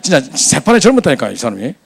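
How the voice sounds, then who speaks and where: Brief: male pastor, lively storyteller, quick and fairly high voice. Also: gravelly, noisy background. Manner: animated, chatty storytelling with acted quotes. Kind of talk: storytelling sermon to young adults.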